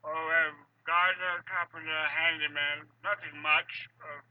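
A man's voice: fairly high pitch, flat delivery, a little slow, natural voice. A man playing a drunken, sarcastic, belligerent rooming-house manager who slurs, stammers and repeats himself in 1940s radio style. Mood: muddled, placated. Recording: dull vintage radio recording.

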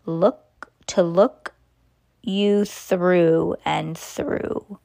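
A spooky storybook creature from beyond the grave, put on by a woman reading aloud. It groans in a breathy, menacing voice and stretches every word out very slowly. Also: on the low side, steady tone, dark tone, full character voice. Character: groaning undead creature seeking its missing toe.

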